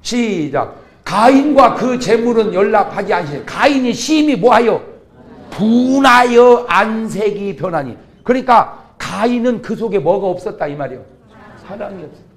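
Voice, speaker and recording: A middle-aged man preaching a humorous revival sermon, acting out quarrels between couples in sudden loud outbursts. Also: sits high, sing-song, moderate pace. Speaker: pastor.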